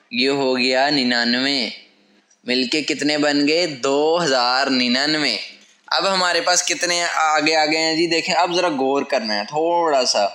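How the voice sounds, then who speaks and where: A man's voice: medium pitch, bright, forceful tone. A man teaching a lesson at a whiteboard. He explains patiently, step by step, and repeats his key phrases. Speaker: language teacher. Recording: echoey room.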